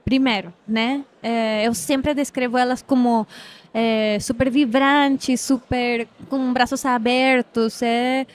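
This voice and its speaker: Uma mulher cuja língua nativa é o espanhol, com sotaque latino-americano, conversando num podcast, hesitante e cheia de "é" enquanto fala português. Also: female voice, on the high side, steady tone, takes it slowly. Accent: Spanish-speaking Latin American. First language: Spanish. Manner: hesitant, many fillers, mixes in Spanish grammar. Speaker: guest, developer relations lead. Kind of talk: casual interview chat. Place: event podcast set.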